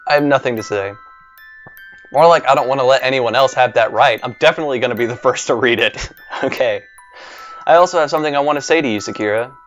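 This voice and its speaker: A man's voice: medium pitch, quick pace. A young man hosting a casual game video, reading the lines aloud and laughing self-consciously. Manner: giggly, self-conscious and animated. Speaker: gaming video host. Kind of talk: casual let's-play commentary and reading aloud. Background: faint game music.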